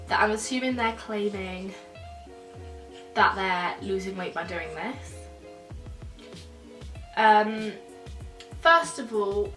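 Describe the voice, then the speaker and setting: A young woman, a nutrition student, talking casually to camera while croaky and stuffed up from a cold, explaining things in a chatty way. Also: medium pitch, distant mic. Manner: chatty and explanatory, many fillers like "so" and "yeah". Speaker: nutrition student reacting to videos. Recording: echoey room, voice a bit off-mic, soft music behind.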